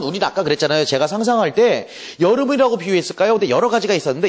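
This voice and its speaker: A man lecturing on English literature for exam prep, teasing his students with quick rhetorical questions and reading English verse slowly and deliberately. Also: high voice. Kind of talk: classroom lecture.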